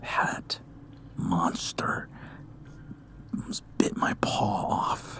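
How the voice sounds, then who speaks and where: In a whispering, put-on character voice, the words come at a very slow pace with long, frequent pauses. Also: man. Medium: actual play.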